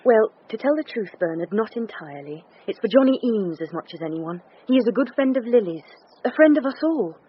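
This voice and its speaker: An actress playing a cheerful young woman who speaks in a bright, lively way. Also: fairly high pitch, brisk, hardly any pauses, breathy edge. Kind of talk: radio drama acting. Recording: distant dull radio recording with hiss.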